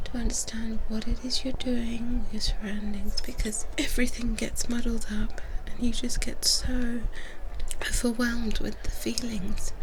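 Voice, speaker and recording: Woman whispering as a slow, soothing female vampire. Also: a little high, noisy background. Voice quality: breathy, unvoiced whisper. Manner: soothing, reassuring, slow and deliberate. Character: gentle female vampire twins soothing a young fledgling. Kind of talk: whispered ASMR roleplay. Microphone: close microphone for headphone listening.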